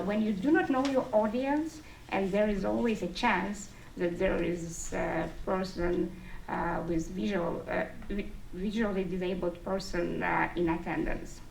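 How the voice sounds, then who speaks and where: A woman's voice: medium pitch, vocal fry. A woman, giving a public speech in phrasing to an audience. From Estonia. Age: 30s. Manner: non-native English phrasing. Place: indoor forum room with an audience. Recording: distant mic, roomy echo, faint noise.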